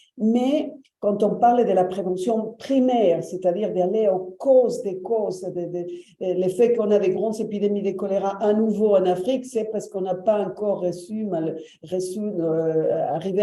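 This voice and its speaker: A woman with a Spanish accent speaks at a fairly slow pace and medium pitch, with ordinary pitch variation and audible room echo. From Spain. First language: Spanish (speaking French). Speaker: public health official. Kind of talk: panel conversation. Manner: halting, many hesitations.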